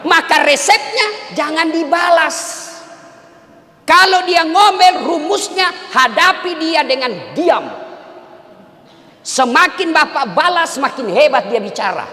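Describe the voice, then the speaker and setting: A man preaching a humorous sermon, emphatic and joking, sometimes raising his voice to a shout. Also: very high voice, animated, measured pace. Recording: long hall reverb.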